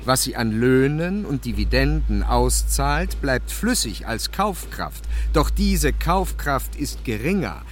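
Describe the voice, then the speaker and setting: A man's voice: medium pitch, lively intonation, takes it slowly, hardly any pauses, a little hiss or hum. A male actor playing a sardonic, indignant chronicler of war and money in a declamatory literary radio play. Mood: indignant lecturing. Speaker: radio play narrator-performer.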